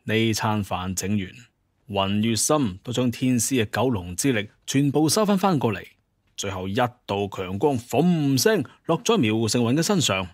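A man narrates a scripted tale in colloquial Cantonese. His mid-pitched voice has a storyteller's expressive delivery. The recording is close and dry. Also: measured pace, no room sound. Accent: Hong Kong or Guangdong Cantonese.

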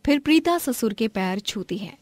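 A woman's voice: on the high side, lively intonation, normal speed, dry recording. A woman narrating a scripted family story as its storyteller.

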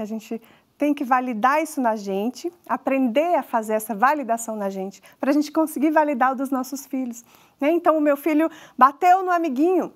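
A woman and mother with a Brazilian accent, giving a conversational lecture to parents and talking straight to the audience. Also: high-pitched. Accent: Brazilian Portuguese. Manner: conversational, addresses audience directly. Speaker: parenting talk speaker.

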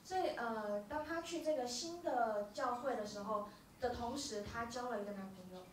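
A woman interpreting live from a stage, speaking quickly with short filler hesitations. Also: fairly high pitch, slight background noise. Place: small dark music venue. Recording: roomy venue, from far off.

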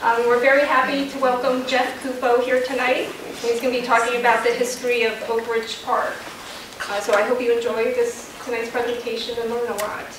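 A woman's voice: a little high, level tone, fairly quick, noisy background. A woman welcoming an audience and introducing the evening's speaker with a few fillers. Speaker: library event host. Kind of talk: brief introduction. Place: library meeting room. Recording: echoey room from far off.

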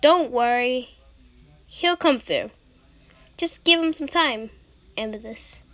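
A playful young female friend, acted by a woman, high in pitch and slow in delivery. She teases and reassures in the style of an amateur character audition. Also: a bit bright. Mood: playful, teasing.

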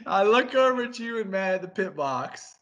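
A man's voice: sits high, lively intonation, normal speed, a bit bright, dull audio, slight background noise. A man, a crew chief, chatting casually with his race engineer and telling a rambling story with laughter. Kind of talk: casual chat interview.

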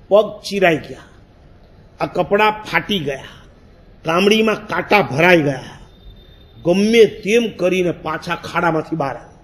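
A high-pitched man tells a story from the pulpit in lively sermon fashion. He acts out what he once said to himself, letting his voice rise and fall with the telling, and chuckles along the way. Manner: animated storyteller, acts out his own past words, laughs. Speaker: Jain monk.

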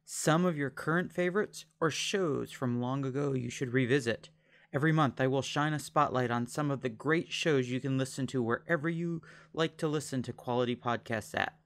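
A man's voice: medium pitch, normal speed, a bit bright. A man hosting a podcast, reading scripted promotional narration. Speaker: podcast host.

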